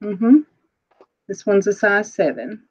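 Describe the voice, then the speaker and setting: A woman's voice: medium pitch, slow, breathy edge, poor audio. A woman, chatting casually and rambling a little while showing jewelry on a live sale, often laughing. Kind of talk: casual live-stream chat.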